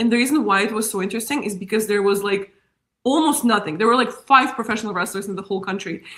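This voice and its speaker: She speaks with a non-native accent. Her medium-pitched voice keeps fairly even intonation. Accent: noticeable foreign. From Spain, Russian-Romanian family. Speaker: wrestling content creator. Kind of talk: podcast interview.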